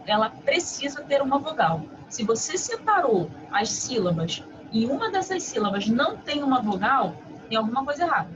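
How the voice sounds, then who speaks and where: A woman teacher giving a review lesson, explaining step by step in a didactic way and often checking in with quick tag questions. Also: sits high. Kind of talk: online lesson. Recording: muffled with steady background noise.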